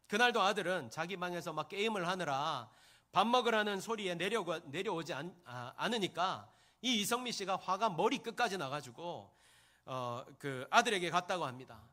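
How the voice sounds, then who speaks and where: A man's voice: high-pitched, pushed and bright. A man, a pastor, preaching a sermon, telling a story and asking the congregation rhetorical questions. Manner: addresses listeners as "여러분".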